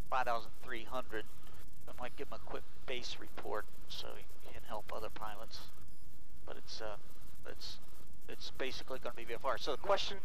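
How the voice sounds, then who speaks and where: A man speaks at a fairly quick pace with very even loudness. The sound is dry with no echo, over light background noise. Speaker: flight instructor pilot. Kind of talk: tutorial. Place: plane. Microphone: headset.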